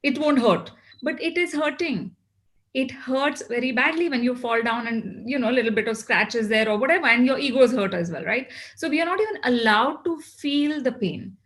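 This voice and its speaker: A woman's voice: sits high, brisk, fairly bright tone. A woman with a South Asian accent gives a motivational well-being talk to a group, instructing and often posing questions that she answers herself.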